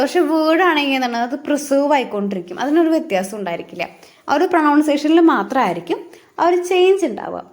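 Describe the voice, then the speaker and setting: A woman tutor with a Malayali accent, explaining exam material in a casual lesson, often restating points and asking rhetorical checks. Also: high-pitched.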